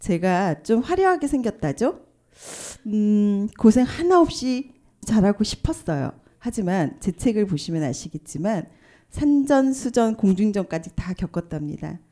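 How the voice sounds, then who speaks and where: This woman has a fairly high pitch and a dark, mellow tone. Her pitch swings very widely as she speaks at a fairly slow pace. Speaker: podcast co-host and author. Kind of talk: casual banter on stage. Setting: stage with audience. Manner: playful, self-mocking.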